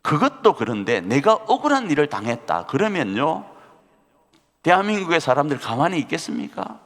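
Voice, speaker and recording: Man preaching with a lively voice in a church. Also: fairly high pitch, moderate pace. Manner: animated preaching, asking the congregation questions. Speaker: pastor. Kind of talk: sermon. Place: church sanctuary. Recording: long reverb of a church hall.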